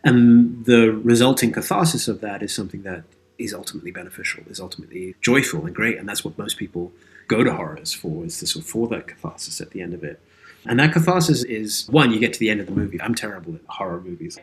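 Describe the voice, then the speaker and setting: Low voiced guy being interviewed, earnest and thoughtful, kinda philosophical. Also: low-quality recording. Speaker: interview guest, audio drama creator and actor. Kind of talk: reflective interview conversation.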